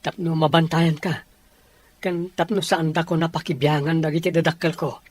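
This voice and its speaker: A man's voice: on the high side, little pitch movement, moderate pace, natural voice. An actor playing a lovesick, stubborn young man in a radio drama, emotional and insistent. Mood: pleading.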